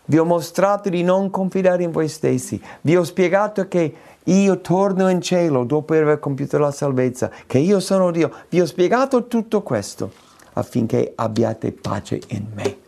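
A man preaching an expository sermon, lifting his voice high when he quotes scripture and prayers. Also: normal speed, vocal fry, few pauses, dark tone. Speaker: pastor.

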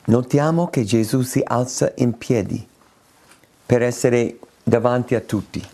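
Gravelly-voiced preacher man. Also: medium pitch, measured pace, warm tone. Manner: emphatic, repeats words for stress. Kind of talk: sermon.

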